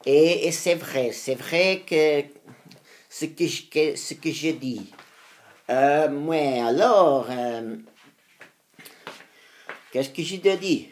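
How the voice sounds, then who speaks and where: A woman with a slightly low voice speaks very slowly in a language that is not her native one. She practices in an unscripted monologue, halting often and repeating phrases as she hunts for the next word, with a beginner's errors. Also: darkish tone. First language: not French. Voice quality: non-native, beginner French with frequent errors. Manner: halting, repeating phrases while searching for words. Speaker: language learner making practice videos for own channel.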